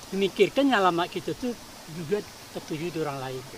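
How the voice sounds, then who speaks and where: Over noticeable background noise, a man talks at a very fast pace. His high voice has lively intonation. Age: 70s. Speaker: customary elder and playwright. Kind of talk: interview.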